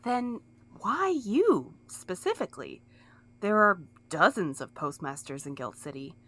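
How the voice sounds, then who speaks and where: A woman's voice: fairly low pitch, huge pitch swings, unhurried, a bit bright, heavily acted. An actress in an audio drama playing an earnest, anxious, guilt-ridden young woman who speaks with pleading emotion. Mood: puzzled, urgent.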